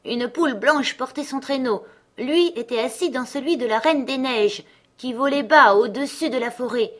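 A woman's voice: high voice, moderate pace, fairly bright tone, voice pushed up. A woman voicing a pair of forest wood pigeons that speak in a cooing, sing-song way.

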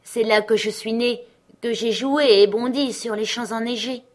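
A gentle, homesick reindeer, voiced by a woman narrator in a storybook. It talks slowly and dreamily. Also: a little high, steady tone, pitched above the performer's own voice, close to an everyday voice. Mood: dreamy.

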